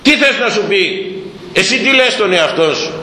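A man preaches a sermon with a bright, fairly high voice. He is animated, firing rhetorical questions and acting out little dialogues. The sound rings with the long reverb of a roomy church. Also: a little hiss or hum.

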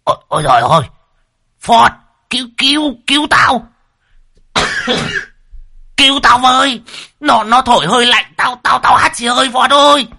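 A man's voice: sits low, expressive, slow pace, pauses often, bright, forceful tone, no room sound, clean studio sound, full character voice. A man voicing a whiny, cowardly old village man who stammers and wails for help. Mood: panicked wailing. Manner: stammering, wailing cries for help.

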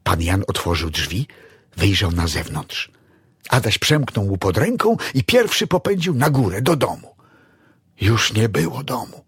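Brief: male audiobook narrator, very husky voice, lively rises and falls. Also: fairly low pitch, a little slow, no echo, clean studio sound. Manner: dramatic, expressive reading.

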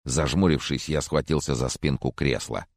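A man narrating an audiobook in a calm, measured reading voice. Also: rumbling low, no echo, studio quality.

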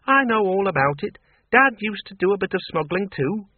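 A man voicing a sharp, blunt older farm woman who talks briskly and jabs with questions. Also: high-pitched, lively intonation, dry recording, pitched above the performer's own voice. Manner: brisk, quick to jab with questions. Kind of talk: audiobook character voice. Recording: tinny phone-like, dry.

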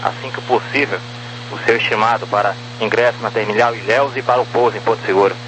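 A man's voice: on the low side, fairly even intonation, fast talker, a bit bright. A man working as an air traffic controller, giving terse, clipped procedural instructions over aviation radio. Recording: noisy humming aviation radio.

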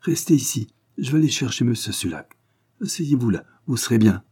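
A man's voice: lowish voice, lively intonation, moderate pace, warm tone, husky. A man voicing a fat, shifty male jeweler who answers in a hesitant, evasive way. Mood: nervous.

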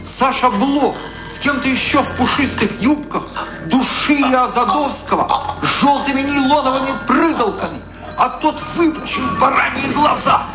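A man's voice: very high voice, normal speed. A man narrating a radio drama from a literary script. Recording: roomy echo with prominent music.

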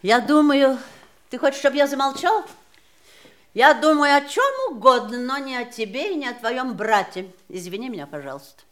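An actress playing an elderly, bitter wife of a dying man in an audio drama, measured, reflective and dryly ironic. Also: high-pitched, big pitch swings, a bit bright. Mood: bitter, weary. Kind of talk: stage-style audio drama acting.

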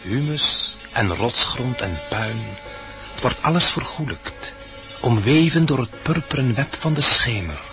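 Man as a slow, sombre poetic voice. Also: mid-range voice, animated, lightly acted. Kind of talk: declamatory verse radio drama. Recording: dull radio recording over music.

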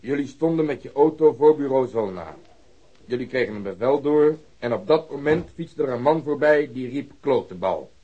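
A man's voice: mid-range voice, expressive, normal speed, husky, phone-quality sound. An actor playing a sarcastic, hot-tempered male police superior in a radio drama, questioning people with biting, coarse language. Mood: sardonic. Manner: sardonic interrogation, swearing. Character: sarcastic, irate male police detective, middle-aged superior.

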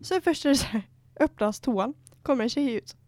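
A young woman co-hosting a casual podcast, pitched fairly high and giggly. She tells stories with animated energy and swears freely. Her voice is recorded dry and close, with no room sound. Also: no echo. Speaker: podcast co-host. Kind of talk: casual chat.

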